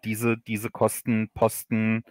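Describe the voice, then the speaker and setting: A man in a casual livestream interview, explaining haltingly as the guest author and often repeating his words. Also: on the low side, monotone, no room sound, studio quality. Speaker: guest, audio drama author.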